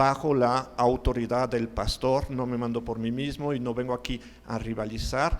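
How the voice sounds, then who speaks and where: Speaking with a non-native accent, a man uses medium pitch, fairly even intonation and a fairly slow pace. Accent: foreign accent in Spanish. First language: not Spanish (speaking Spanish). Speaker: guest preacher. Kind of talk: sermon. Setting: church.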